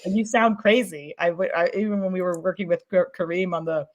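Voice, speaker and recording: A woman in a casual panel talk about production, speaking in an informal, animated, rambling way and often repeating words. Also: lowish voice, fairly quick, dull audio. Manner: animated storytelling with mimicked sound effects and acted-out quotes. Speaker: scripted podcast producer on a panel.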